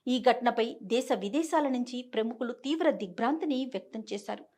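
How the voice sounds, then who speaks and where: High-pitched female news presenter. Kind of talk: scripted news narration.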